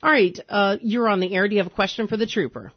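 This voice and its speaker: A man hosting a radio call-in show, talking in a smooth, easy host manner and agreeing along with his guest. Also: high-pitched, dry recording. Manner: smooth, conversational, quick to agree. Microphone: studio microphone. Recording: dull, dry radio studio sound.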